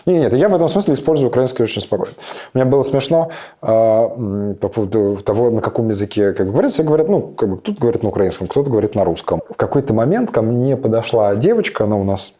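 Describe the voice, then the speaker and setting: A man in his thirties answering interview questions reflectively, pausing and restarting often with many fillers. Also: mid-range voice, sing-song, dark tone. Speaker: interview guest, serving soldier.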